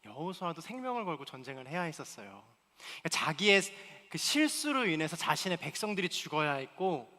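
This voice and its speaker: Young male preacher, high bright tone, sermon with dynamic swings from loud to hushed, long hall reverb. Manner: swings from loud emphatic pleas to soft hushed asides. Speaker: pastor. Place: church hall.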